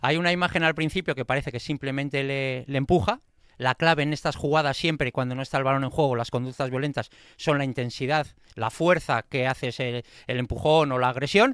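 Over a quiet background, a man with a fairly high pitch speaks at a fairly quick pace with fairly even intonation, the sound dry with no echo. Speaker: football YouTuber. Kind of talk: sarcastic angry rant. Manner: indignant, sarcastic. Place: studio. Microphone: handheld.

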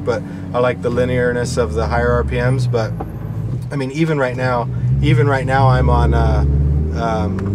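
A man speaking at a moderate pace amid loud background noise. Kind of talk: casual vlog chat. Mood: happy, relaxed. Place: car.

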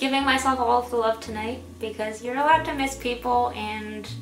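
Faint background music with audible room echo. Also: woman. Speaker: vlogger. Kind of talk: casual vlog chat. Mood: wistful but upbeat. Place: kitchen. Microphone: phone near.

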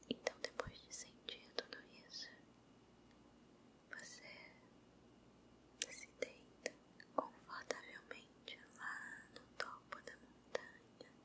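Whispering in a soft-spoken, soothing tone, a woman leaves long, frequent pauses, with noticeable background noise behind her. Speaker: relaxation video creator. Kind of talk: guided meditation narration. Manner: soft whisper, slow and soothing. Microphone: studio mic.

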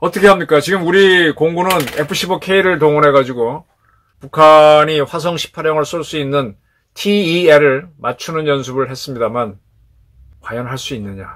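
Over a quiet background, a man speaks at a very slow pace with ordinary pitch variation and big swings in loudness. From South Korea. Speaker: political commentator. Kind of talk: monologue commentary. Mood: indignant, urgent. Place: home room.

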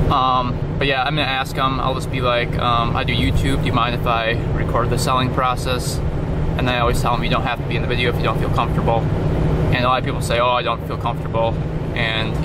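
A man talks at a very fast pace. Loud background noise is present, and the sound is dry with no echo. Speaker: vlogger driving to buy an ATV. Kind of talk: casual vlog chat. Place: car. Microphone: phone near.

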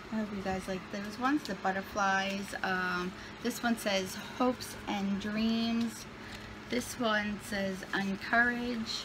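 Against noticeable background noise, a woman speaks at a very slow pace. Her intonation is fairly even. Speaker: YouTuber. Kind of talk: casual haul video. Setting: home sofa. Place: home room. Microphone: phone near.

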